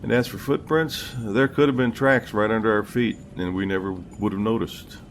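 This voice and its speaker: A man playing a seasoned old captain in an audio drama, telling his story in a steady, folksy, unhurried way. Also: fairly low pitch, a little hiss or hum, close to an everyday voice. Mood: reflective. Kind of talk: audio drama narration and dialogue.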